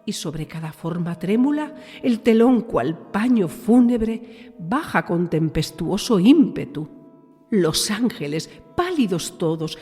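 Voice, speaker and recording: Husky, reverberant dying woman played by an actress, declaiming darkly. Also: mid-range voice, warm tone, heavily acted. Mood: anguished, grandiose. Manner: theatrical, intense declamation. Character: dying woman reciting her dark, anguished, visionary poem. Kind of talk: dramatic poetry recitation in an audio horror story. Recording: long reverb, music underneath. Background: music.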